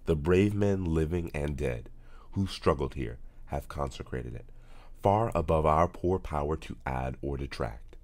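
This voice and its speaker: A man doing a scripted voice-over reading as a professional voice actor, in a solemn, measured, oratorical manner. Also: very deep voice, dark tone.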